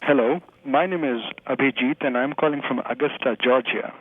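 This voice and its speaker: A man's voice: medium pitch, normal speed, dry recording. A polite young man with an Indian accent calling in to a radio show, describing his car carefully with some hesitation. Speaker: caller. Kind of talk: phone call to radio show. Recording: tinny phone line.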